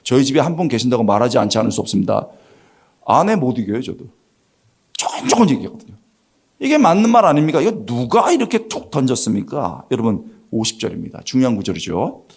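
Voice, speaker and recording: A middle-aged man pastor giving a lively sermon in a church, acting out the characters and asking the congregation questions. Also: medium pitch, fast talker, vocal fry, husky. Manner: animated storytelling, voices Bible characters, asks the congregation questions. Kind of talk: lively sermon with acted-out quotes. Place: church sanctuary.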